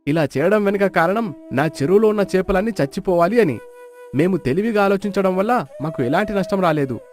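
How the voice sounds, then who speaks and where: A man's voice: high voice, lively intonation, fairly quick, a little mellow. A man playing a clever, upright village fisherman in a moral story, speaking in an explanatory, declamatory way. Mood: accusing, righteous. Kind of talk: dramatized moral story acting. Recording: flute music behind the voice.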